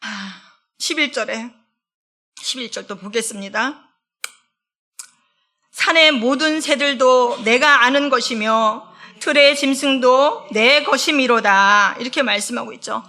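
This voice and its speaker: A woman associate pastor preaching a sermon in a church, acting out God's and people's words with animated voices. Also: high-pitched, a little slow, long pauses. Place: church sanctuary.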